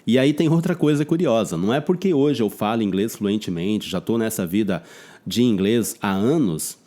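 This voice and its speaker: A man's voice: lowish voice, expressive, moderate pace, warm tone. A middle-aged man from Brazil, an English teacher, talks through a casual video lesson in a chatty, loose way.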